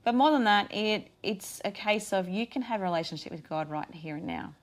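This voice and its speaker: A woman's voice: medium pitch, animated, brisk. A tired woman presenting on Christian radio, losing her voice and speaking earnestly with frequent restarts. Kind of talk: casual devotional radio talk.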